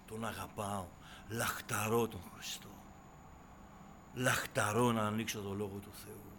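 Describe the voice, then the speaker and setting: Guy preaching a sermon, bright forceful voice, goes quiet then loud, faint hiss behind. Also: fairly low pitch, little pitch movement. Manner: swings from hushed, near-whispered asides to loud, impassioned exhortation; keeps addressing listeners as brothers and sisters.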